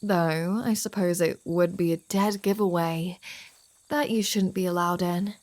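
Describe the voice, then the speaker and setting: Woman playing a slow-talking, flirty female vampire. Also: lowish voice, fairly even intonation, a little mellow, lightly acted. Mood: wry, teasing. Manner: playful, sardonic, mock-exasperated. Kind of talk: ASMR roleplay audio drama.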